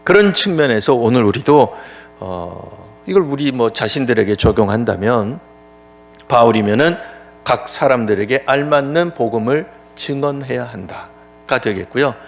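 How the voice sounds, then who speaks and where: A man's voice: mid-range voice, animated, normal speed, vocal fry. A male pastor preaching a sermon in a conversational way, often asking rhetorical questions and then answering them himself. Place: church.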